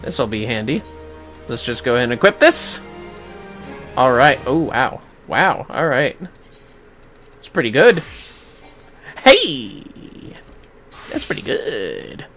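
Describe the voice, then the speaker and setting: A game streamer chats casually while playing. The talk is irreverent and sweary, often muttered to themself, with lively shifts in pitch. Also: slow pace, long pauses, faint music behind. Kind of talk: casual livestream gameplay commentary.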